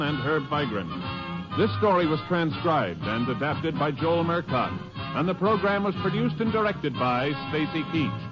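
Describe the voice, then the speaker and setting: Male 1950s radio announcer: fairly high pitch, scripted credits over loud music, muffled old broadcast.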